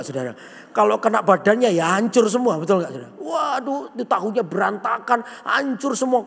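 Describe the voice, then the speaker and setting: A man preaches in a large church. His voice sits high with a gravelly edge, and it rings with long hall reverb. He tells stories animatedly, acting out the characters and calling out to the congregation. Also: fairly bright tone. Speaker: pastor. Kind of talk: sermon with acted-out story.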